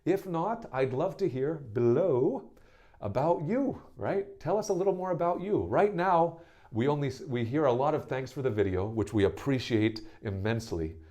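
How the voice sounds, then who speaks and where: A man's voice: mid-range voice, animated, normal speed, dark tone, dull audio. An American man in his thirties, an English teacher introducing himself to his students in an easygoing way, often checking in with "right?". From USA. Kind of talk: friendly self-introduction lesson to camera.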